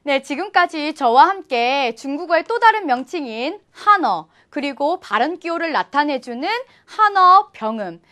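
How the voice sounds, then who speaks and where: Bright, lively woman teaching a lesson. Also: sits high, moderate pace, few pauses. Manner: lively, encouraging, asks the viewer questions. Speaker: Chinese teacher. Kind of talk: friendly online language lesson.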